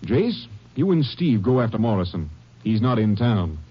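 A rough, husky lawman in charge, emphatic and dryly sardonic. His pitch is very animated in this 1950s radio western performance, heard on a dull vintage recording. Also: moderate pace. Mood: stern, sardonic. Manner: authoritative, emphatic, folksy. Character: commanding, dryly sardonic Texas Ranger captain. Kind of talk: 1950s old-time radio western acting. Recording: muffled vintage radio broadcast.

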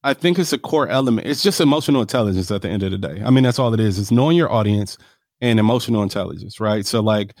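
A man's voice: fairly low pitch, animated, fast, darkish tone, no room sound, studio quality. A man with an African American accent talking casually in an interview, emphatic and self-assured, often punctuating his points with "right?". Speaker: real estate developer being interviewed.

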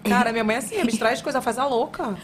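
Woman podcast host, high voice, talks super fast, gossipy animated storytelling. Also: slight background noise. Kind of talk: casual podcast chat.

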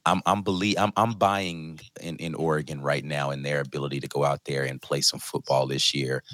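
Podcast host, young man, very deep voice, laid-back slangy chatter, dry booth. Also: steady tone, a little fast, fairly bright tone, no room sound. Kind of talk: casual sports talk.

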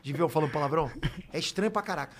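A man's voice: a little high, rapid-fire, a little hiss or hum. A man telling stories in casual chat as a podcast guest, swearing freely with self-deprecating laughs.

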